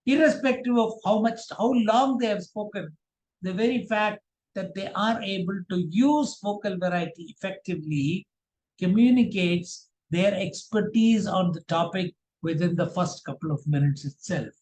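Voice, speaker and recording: High-pitched man presenting in echoey room. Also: a little mellow. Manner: deliberate, emphatic phrasing in short chunks. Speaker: public speaking trainer. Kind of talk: instructional workshop presentation. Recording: roomy, echoing sound.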